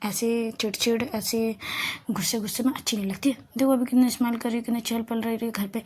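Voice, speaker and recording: A woman's voice: on the high side, level tone, fast, a little mellow, close to an everyday voice. A woman voicing a cheeky younger sister who protects her older sister and talks in a bossy, teasing way.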